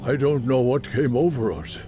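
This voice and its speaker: An actor playing a solemn, grateful tribal warrior, measured and reverent, in a video game cutscene. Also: male voice, mid-range voice, expressive, natural voice. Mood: humble, loyal. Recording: music behind.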